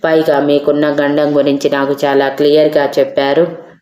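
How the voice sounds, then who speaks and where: A woman's voice: deep voice, level tone, moderate pace, warm tone, natural voice. A woman voicing a stubborn, devoted young woman in an audio story, speaking firmly and insistently. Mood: determined. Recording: roomy echo.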